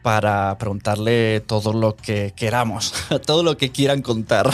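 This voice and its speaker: A man's voice: fairly low pitch, steady tone, a little slow, soft background music. A man hosting a podcast in a casual interview style, often chuckling between phrases. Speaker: podcast host.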